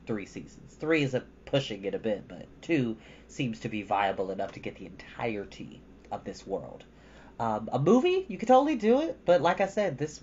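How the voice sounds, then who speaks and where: A storytime host with a medium-pitched voice, chatting casually and informally with rambling asides and reading from a storybook. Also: darkish tone, a little hiss or hum. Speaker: host of a storytime livestream, reading a novel aloud. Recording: dull lo-fi audio with background music. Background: ambient background music.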